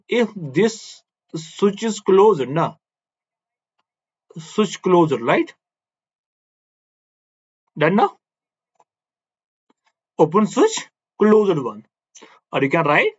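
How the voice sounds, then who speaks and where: A man's voice: high voice, muffled recording. A man with a South Asian accent giving a classroom physics lecture, explaining step by step, repeating himself and adding question tags. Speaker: physics teacher.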